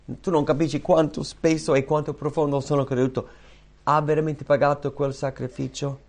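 A man preaching a sermon with impassioned, repeated rhetorical questions that swing from loud high outbursts to hushed low tones. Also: level tone, normal speed. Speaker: pastor.

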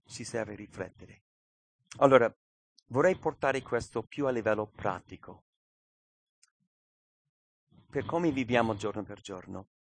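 A man's voice: on the low side, measured pace, long pauses, no room sound. A man preaching a sermon in an earnest, emphatic way, often asking rhetorical questions.

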